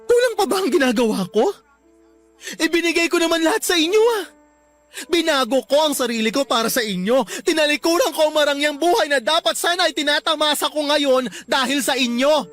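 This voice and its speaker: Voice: high-pitched, animated, brisk, fairly bright tone, soft background music. An actor playing a defensive, evasive, effeminate gay young father with a Filipino accent in a theatrical radio drama. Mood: indignant, hurt. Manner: theatrical, indignant, dismissive.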